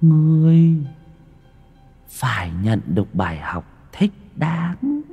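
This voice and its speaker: A man's voice: wildly swooping pitch, takes it slowly, warm tone, breathy edge, long reverb tail, soft background music, heavily acted. A man voicing a vengeful female ghost in a white dress, speaking in an accusing, menacing way. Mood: cold threat. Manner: accusing, menacing, high and strained.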